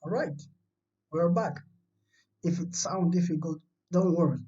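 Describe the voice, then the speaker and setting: In a distant, dull, lo-fi home recording with a little hiss or hum, a Chilean primary school science teacher gives a remote lesson to young children. The mid-range voice is slow and mellow, explaining things simply, patiently and reassuringly.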